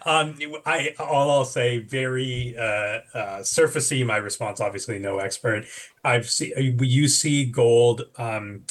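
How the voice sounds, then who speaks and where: A man's voice: medium pitch, steady tone, takes it slowly. A man, a physician guest on a radio panel, explaining a medical topic in a thoughtful way with fillers and restarts.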